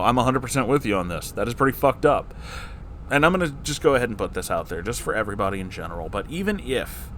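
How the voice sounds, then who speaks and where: A man's voice: medium pitch, a bit bright, a little hiss or hum. A man hosting a story reading, giving candid casual commentary in an emphatic, blunt, sweary way. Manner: emphatic, blunt, profane asides. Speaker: host reading and reacting to listener-submitted stories.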